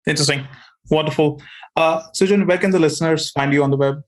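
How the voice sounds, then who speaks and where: A man with a somewhat high voice hosts an interview. He sums up the guest's points politely and moves on with short questions. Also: fast talker. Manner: brief, summarizing, polite. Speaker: podcast host.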